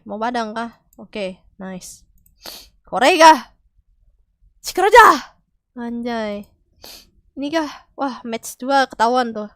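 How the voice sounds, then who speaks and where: A woman game streamer with a cold and a slightly nasal, stuffy voice, chatting casually and calling out to teammates with loud exclamations and swearing. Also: fairly high pitch, smooth, no room sound, clean studio sound. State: has a cold. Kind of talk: casual gaming stream chat.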